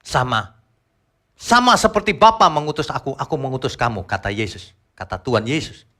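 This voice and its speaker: Bright-voiced preacher. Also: male voice, mid-range voice, sing-song. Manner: emphatic, swings from soft asides to loud exhortation; chants a short worship phrase slowly. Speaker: pastor. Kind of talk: sermon.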